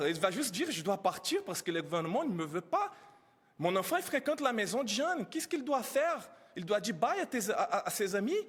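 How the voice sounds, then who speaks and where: A man's voice: extremely high pitch, a bit bright, husky. Pleading man, non-native French speaker. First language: not French. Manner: pleading, many rhetorical questions. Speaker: immigrant speaking at a press conference. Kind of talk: emotional public testimony. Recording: reverberant hall.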